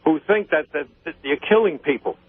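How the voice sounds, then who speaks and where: An older man calling in to a talk show, arguing insistently with halting phrasing. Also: fairly high pitch, husky. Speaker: caller, the host's father. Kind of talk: opinionated phone-in talk. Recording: tinny, narrow phone line.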